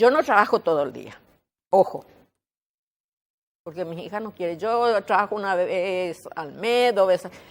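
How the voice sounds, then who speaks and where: On a very clean recording with a silent background, a woman talks at a medium pitch with ordinary pitch variation. Her pace is fairly slow, with long, frequent pauses and big swings in loudness. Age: 60s. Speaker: domestic worker and activist. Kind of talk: TV talk show discussion.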